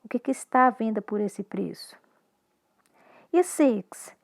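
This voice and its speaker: A woman with a Brazilian Portuguese accent leads a recorded English lesson, slowly and clearly moving from English to Portuguese and back. Her voice is on the high side and animated.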